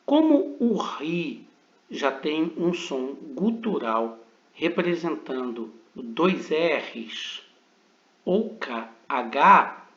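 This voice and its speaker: A man with a Brazilian Portuguese accent teaching a recorded lesson, pronouncing each syllable at a very slow, deliberate pace. His voice sits a little high for a man. The recording is roomy and dull, like a lo-fi room capture. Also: very animated, a bit bright. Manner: slow, deliberate pronunciation drills with repetitions. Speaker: Greek teacher.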